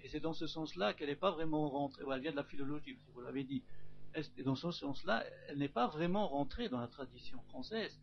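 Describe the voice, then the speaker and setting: Gravelly-voiced man, hesitant questioner. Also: fairly high pitch, brisk, highs cut off, soft background music. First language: German. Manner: hesitant, searching, repeats words. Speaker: audience member asking questions. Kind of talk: discursive question at a lecture.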